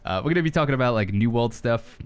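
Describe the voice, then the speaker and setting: A man's voice: mid-range voice, expressive, fast talker, clear, resonant tone. A man hosting a podcast in a casual, joking, rambling chat style. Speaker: podcast host.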